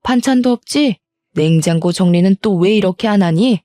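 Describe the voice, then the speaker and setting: A woman voicing a harsh, nagging middle-aged mother-in-law who belittles with rapid-fire questions. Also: mid-range voice, expressive, warm tone, no echo, clean studio sound, close to an everyday voice. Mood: scolding.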